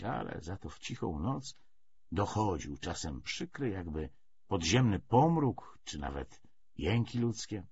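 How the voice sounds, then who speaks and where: Low husky man reading a novel. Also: highs cut off. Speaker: audiobook narrator. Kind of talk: scripted literary narration.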